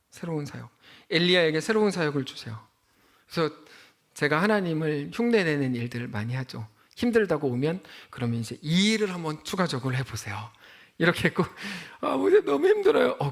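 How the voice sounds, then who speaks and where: Male pastor, high lively pitch, joking conversational sermon delivery.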